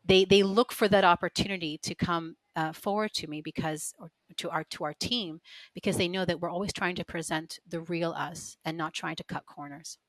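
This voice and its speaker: A woman's voice: lowish voice, steady tone, normal speed, dry recording, rough recording. A woman guest in a conversational interview, telling stories in an earnest, reflective way. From lives in Israel. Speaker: interview guest, finance professional.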